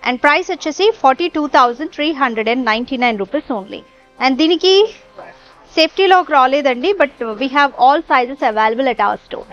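High-voiced woman selling jewellery. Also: lively intonation, normal speed, a bit bright. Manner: cheerful sales pitch, Telugu mixed with English. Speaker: jewellery store presenter. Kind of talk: product showcase presentation. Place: jewellery showroom. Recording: dull lo-fi voice track with faint music.

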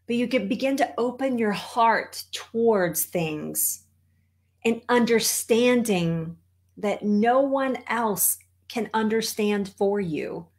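A woman's voice: a little high, a little mellow. A middle-aged woman from Texas with an American accent, speaking emphatically as a coach to an online audience from a home office. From Texas, United States. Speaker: holistic cancer coach, show host. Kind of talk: motivational talk to an online audience. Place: small home office, indoors.

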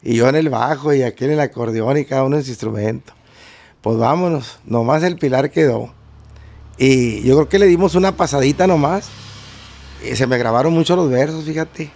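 A man speaks in a gravelly, slightly creaky voice at a mid pitch. He is a guest musician telling long anecdotes, looping back with fillers and restarts as he goes. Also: brisk, a little mellow. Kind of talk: casual interview storytelling.

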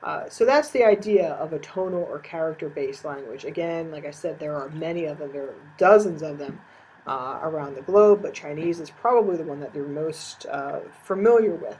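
A woman's voice: low-pitched, moderate pace, a little mellow, breathy edge, poor audio. A woman teacher giving a recorded lecture, explaining patiently with frequent fillers.

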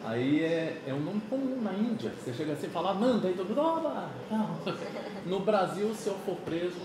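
Animated Brazilian man in his fifties. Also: high voice, fairly quick, very echoey, a crowd in the background, low-quality recording. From Pernambuco, Brazil. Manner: animated, chatty storyteller who keeps checking in with the listener. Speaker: musician guest. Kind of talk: casual interview. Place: small office meeting room. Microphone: camera across the table.

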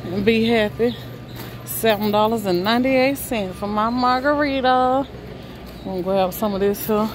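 With store noise behind her, a woman gives a casual shop-with-me narration from a large warehouse store, talking to viewers and exclaiming over prices. Her pitch is fairly high and she talks at a normal speed.

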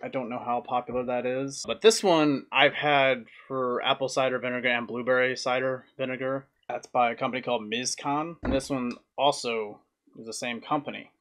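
A young adult man giving a casual food review to camera, speaking plainly in short, halting phrases. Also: mid-range voice, fairly even intonation, fairly bright tone. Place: small room indoors at home.

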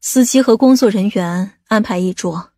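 A woman's voice: medium pitch, moderate pace, dark tone, no echo, clean studio sound, close to an everyday voice. A woman playing an imperious, commanding aunt from a powerful family in an audiobook drama. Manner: commanding, demanding.

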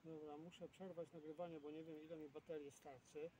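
A man's voice: on the high side, little pitch movement, fairly quick, warm tone. A man, a fishing vlogger, talking casually to himself outdoors in short, rambling fragments. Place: outdoors at a fishing spot, windy. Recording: noisy outdoor recording, far from the mic.

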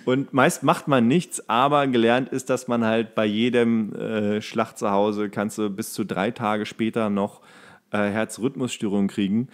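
A man's voice: lowish voice, steady tone, unhurried. Man in loose, colloquial casual chat. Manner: colloquial, jokey, loose and digressive. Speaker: podcast co-host. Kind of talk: casual, rambling chat about tools and DIY.

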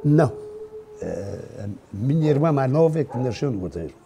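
An older Portuguese man, a podcast guest, slowly recalling his family's past in a halting, unhurried way with many restarts. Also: mid-range voice, big pitch swings, creaky, over music. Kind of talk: casual reminiscing.

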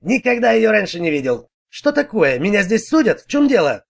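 A man voicing an irritable middle-aged bricklayer who answers the police in a gruff, defensive way. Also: sits high, very animated, fairly quick, heavily acted. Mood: defiant.

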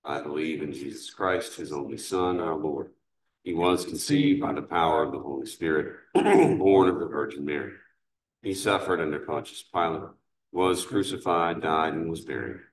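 A man leading morning prayer as a priest, reciting psalms, canticles and the creed in a measured, steady way, recorded from a distance in a large cathedral. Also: a bass voice, noisy background. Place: large cathedral sanctuary, indoors. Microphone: far camera. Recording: echoey cathedral room sound.

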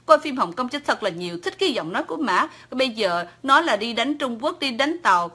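A woman's voice: on the high side, very animated, fairly quick, bright, forceful tone, breathy edge. A woman with a Southern Vietnamese accent, chatting casually on a livestream and answering viewers' comments, talkative and teasing, laughing often. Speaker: livestream host.

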